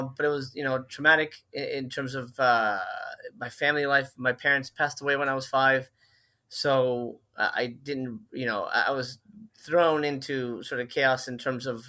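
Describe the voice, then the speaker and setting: Bright-voiced chatty middle-aged man. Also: medium pitch. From Miami, Florida. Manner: chatty, many fillers and restarts. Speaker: film director and writer, podcast guest. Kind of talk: casual conversational interview.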